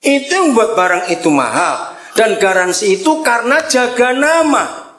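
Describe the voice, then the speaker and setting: An older man preaching a sermon to a congregation in a lively, joking way, often checking in with his listeners. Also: sits high, normal speed, reverberant. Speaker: pastor. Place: church before a congregation.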